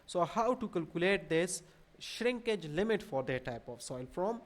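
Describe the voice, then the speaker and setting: A man in his thirties with a South Asian accent giving an explanatory lecture, hesitant and repetitive, with frequent pauses. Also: sits high, big pitch swings. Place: small indoor room at a desk.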